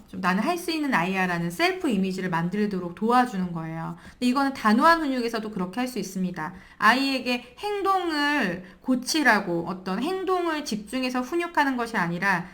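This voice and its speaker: Lively, high-voiced Korean parenting coach woman. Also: fairly quick. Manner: animated, acts out little dialogues. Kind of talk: book review lecture.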